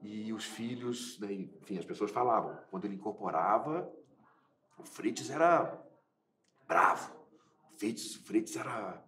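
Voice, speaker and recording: A Brazilian actor from Minas Gerais gives casual interview answers about his film, his low voice bright and forceful, with lively intonation and an unhurried pace. He hesitates, repeating fillers and restarting as he searches for words, in an echoey room.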